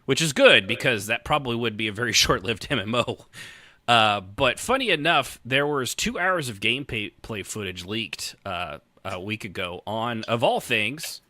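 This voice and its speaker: A man's voice: mid-range voice, lively intonation, moderate pace, bright, forceful tone, no room sound. An American man hosting a podcast, chatting casually with wry humor and the odd bit of swearing. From United States. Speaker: podcast host. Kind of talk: casual comedic podcast chat.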